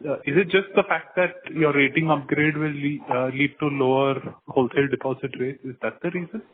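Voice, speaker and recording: A man, an analyst asking direct, brisk questions on an earnings call. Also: fairly high pitch. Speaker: analyst caller. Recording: telephone line with faint noise.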